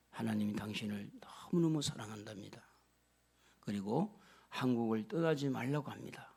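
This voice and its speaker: A man preaching a sermon as pastor, telling stories with acted-out dialogue and swinging from loud exhortation to hushed near-whispers. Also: mid-range voice, gravelly, slightly rough.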